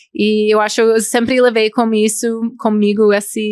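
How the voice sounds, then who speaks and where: Recorded very cleanly with a silent background, a woman speaks at a moderate pace with an American accent. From Virginia, US, near Washington DC. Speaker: company founder and CEO. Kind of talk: interview. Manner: hesitant, many filler sounds.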